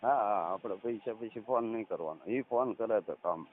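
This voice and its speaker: A man's voice: fairly low pitch, normal speed. Saurashtra Gujarati man on a tinny phone. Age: 30s. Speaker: caller, farmer. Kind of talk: casual phone conversation. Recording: tinny, narrowband phone call recording.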